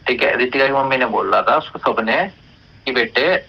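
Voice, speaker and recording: A man's voice: medium pitch, normal speed, gravelly, husky. A man with a North Indian accent chatting casually and recounting gossip on a recorded phone call.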